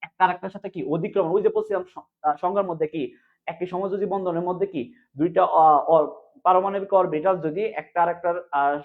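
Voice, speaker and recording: A man teaching chemistry in an online exam-prep class, drilling students with quick repeated questions. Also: high-pitched. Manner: fast, repetitive question-and-answer drilling. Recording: phone-like narrow sound.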